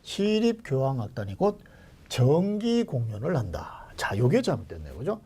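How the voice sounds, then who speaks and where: A man teaching Korean grammar for civil service exams in a jokey, animated way, jumping between loud calls and whispered asides, his throat strained. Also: medium pitch, moderate pace, slightly rough. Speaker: Korean language exam lecturer. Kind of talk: online exam-prep lecture.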